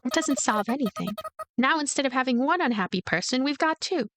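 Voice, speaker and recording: A woman's voice: high-pitched, animated, a little fast, a bit bright, soft background music. A woman voicing a lonely, blunt and protective young ghost girl in a visual novel, earnest and plain-spoken. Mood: frustrated.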